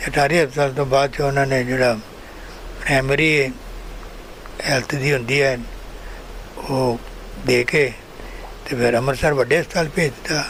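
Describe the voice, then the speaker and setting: With noticeable background noise behind him, a man of fairly high pitch speaks with long, frequent pauses. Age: 70s. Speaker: Partition survivor. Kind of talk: interview testimony.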